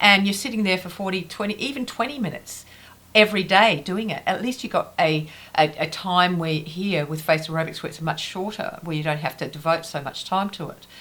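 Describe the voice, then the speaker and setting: A woman with an Australian accent speaks at a fairly quick pace in a bright, sharp tone. Her medium pitch varies in an ordinary way, while her loudness swings widely. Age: 60s. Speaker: face exercise coach. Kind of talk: casual talk to camera. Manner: conversational, with fillers and repeats.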